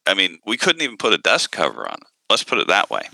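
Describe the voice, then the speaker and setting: A man's voice: deep voice, wildly swooping pitch, fast talker, creaky, sharp tone, a little hiss or hum, low-quality recording. A man, an audio company founder, talking casually in an interview, hesitant with many fillers and restarts.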